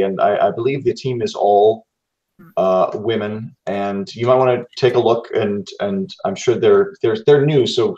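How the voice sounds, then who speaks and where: A man co-hosting a podcast, speaking casually and somewhat haltingly. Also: on the low side, darkish tone. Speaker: podcast co-host. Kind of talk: casual interview chat. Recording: distant, dull lo-fi mic.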